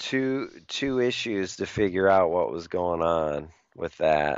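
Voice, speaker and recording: A man talks in a fairly low pitch. His intonation is lively. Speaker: comic book podcast co-host. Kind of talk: casual chat. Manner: halting.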